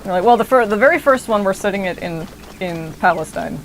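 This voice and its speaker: A young American woman streamer thinking out loud while she plays. She rambles and digresses, swearing freely. Her pitch sits at an ordinary middle level, with faint noise in the background. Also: animated, a little fast, poor audio. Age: 20s. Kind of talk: casual gameplay commentary.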